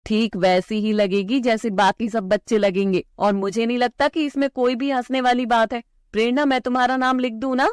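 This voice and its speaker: A caring schoolteacher, voiced by a woman who reassures her pupils gently. Her voice is high and clear, and the recording is close and dry. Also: fairly even intonation, normal speed, hardly any pauses, dry recording, natural voice. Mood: encouraging. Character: kind, patient female schoolteacher.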